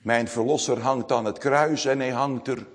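A man preaching a sermon to his congregation, slow and solemn, with dramatic pauses. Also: medium pitch, steady tone. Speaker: pastor. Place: church. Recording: long reverb of a church hall.

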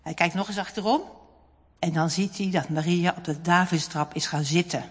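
A woman narrating a children's storybook in an expressive, dramatic reading. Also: fairly low pitch, moderate pace, breathy edge. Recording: long hall reverb.

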